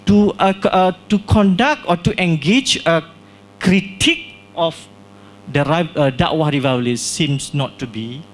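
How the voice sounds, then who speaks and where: A man from Singapore talks about his book at a launch event in a small hall. His voice sits a little high, and he reasons aloud with many tag questions and restarts. A faint hum runs underneath. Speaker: author presenting his book.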